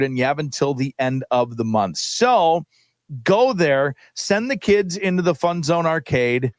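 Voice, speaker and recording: Male co-host, 30s, lively storyteller, dry studio close mic. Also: mid-range voice, dry recording. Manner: excited storytelling, laughs often. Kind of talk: casual sports radio chat. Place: radio studio.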